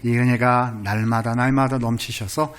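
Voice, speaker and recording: A male pastor preaching a sermon in a church, swinging from loud exclamations down to whispers. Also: mid-range voice, flat delivery, normal speed, slight background noise. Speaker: pastor and seminary professor. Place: church sanctuary.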